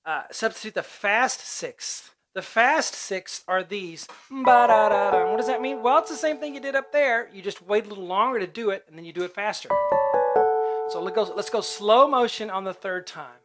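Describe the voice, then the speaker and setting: A man with a high voice teaching a piano piece step by step, chatting casually as he calls out note names and hums the riffs. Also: moderate pace. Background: loud piano playing.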